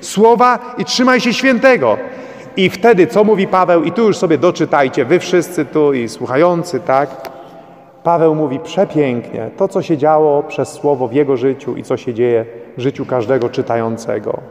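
A man's voice: medium pitch, moderate pace, a little mellow. A man preaching a sermon as a priest, urging his listeners with repeated rhetorical questions. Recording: long church reverb.

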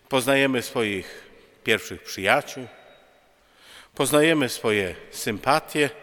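A man, a religious brother, preaching a sermon in a conversational, storytelling way with pauses and fillers. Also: mid-range voice, a bit bright, long reverb tail. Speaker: priest or friar preaching.

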